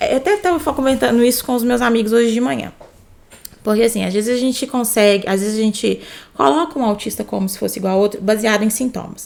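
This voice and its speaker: Over noticeable background noise, a woman talks at a very fast pace with a fairly high pitch. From Minas Gerais, Brazil (Sabará / Belo Horizonte area). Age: 20s. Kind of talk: casual podcast interview.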